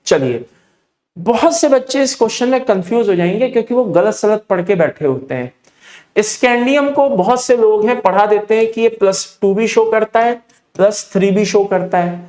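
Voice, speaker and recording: A man's voice: sits high, expressive, normal speed, a little mellow, echoey room. A man with an Indian accent teaching chemistry for exam preparation, explaining emphatically, repeating his points and checking in with students. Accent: Indian English. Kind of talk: exam-prep lecture.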